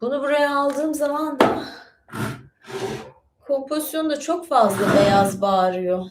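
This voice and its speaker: A woman hosts a casual livestream, chatting loosely with lots of fillers and asides. Her voice sits a little high. The room around her is echoey. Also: unhurried, heavy background noise. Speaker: livestream host.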